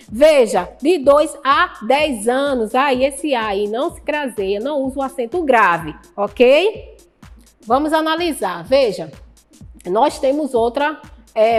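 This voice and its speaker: A woman's voice: high voice, fairly bright tone. A woman teacher with a Brazilian Portuguese accent giving a recorded online lesson, patiently asking the class questions and praising the answers.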